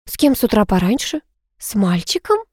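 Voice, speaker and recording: A woman voicing a gentle, curious middle-aged mother who speaks hesitantly. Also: a little high, expressive, normal speed, no room sound, studio quality, pitched above the performer's own voice, natural voice.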